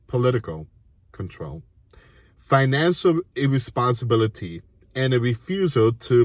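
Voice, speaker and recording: A man's voice: medium pitch, dry recording, studio quality. A man from Puerto Rico reading a news article aloud and adding indignant comments, with frequent asides and restarts.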